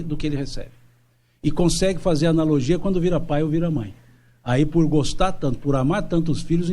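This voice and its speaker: A man giving a seminar talk at a spiritist center, animated, acting out little everyday dialogues. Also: on the high side. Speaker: spiritist lecturer. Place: lecture hall at a spiritist center.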